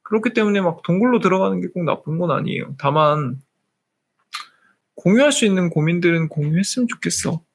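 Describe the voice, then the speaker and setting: 편하게 수다 떠는 약간 높은 목소리의 30세 남자. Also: male voice, high-pitched, animated, brisk. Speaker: live-stream host. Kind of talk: casual live-stream chat with viewers.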